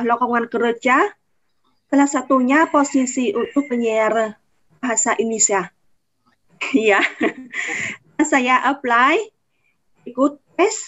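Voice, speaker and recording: A woman in her thirties from Vietnam speaking as a foreigner with a Vietnamese accent, answering interview questions haltingly and searching for words. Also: high-pitched, a bit bright. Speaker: radio announcer interviewee. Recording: dull, lo-fi audio.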